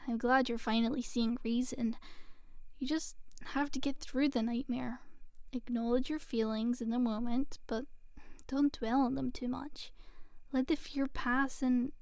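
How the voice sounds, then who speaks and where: A woman playing a gentle, teasing sleep paralysis demon in an ASMR roleplay, soothing and intimate, talking softly and unhurriedly, now and then slipping into a whisper. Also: high-pitched, creaky, no room sound. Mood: reassuring. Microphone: close microphone.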